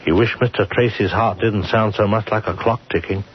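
An actor playing a brooding, sardonic narrator of a murder tale, in theatrical, ominous old radio style. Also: male voice, fairly low pitch, fairly even intonation, moderate pace, lightly acted. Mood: wry. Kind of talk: dramatic scripted radio narration. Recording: hissy, dull vintage radio recording.

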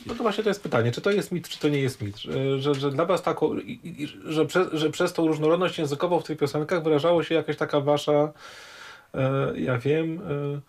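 Higher-voiced man, tentative interviewer. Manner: halting, tentative, rephrasing. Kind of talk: interview questioning.

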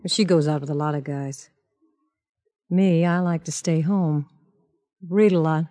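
A woman's voice: low voice, steady tone, unhurried, mellow. An actress playing a scheming young woman who drugs a detective, talking with false friendliness in a 1940s radio drama style. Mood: falsely friendly. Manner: falsely friendly, then coolly mocking.

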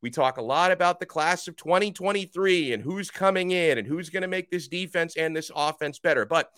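Slightly hoarse, emphatic male sports host. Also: on the high side, a little fast, no echo. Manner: energetic, emphatic, rising to near shouts. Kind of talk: college football talk with ad read. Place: radio studio.

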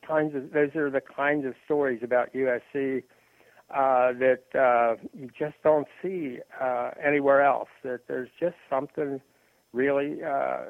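A man talking sports on a radio show, halting and full of fillers and restarts. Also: mid-range voice, dry recording. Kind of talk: rambling sports talk on phone. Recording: tinny phone line.

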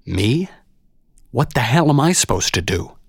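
A man acts out a reluctant fantasy knight, flustered and blustering. His pitch jumps around as he bluffs at heroism, in a dry, close storybook recording. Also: big pitch swings, unhurried, husky, dry recording, heavily acted. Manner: blustering, self-doubting, exclamatory.

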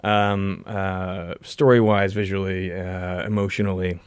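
A man's voice: low voice, little pitch movement, unhurried, clear, resonant tone, no echo. A man speaking as an actor being interviewed, casual and self-deprecating, often searching for his words.

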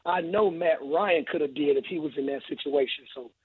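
A man speaks as a radio guest over a tinny, dry phone line. His voice is hoarse and husky because he is losing it, yet he stays earnest and emphatic and repeats phrases for weight. He sits a touch higher than most men. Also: a little fast, no room sound. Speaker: guest football analyst. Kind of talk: radio interview, sports analysis.

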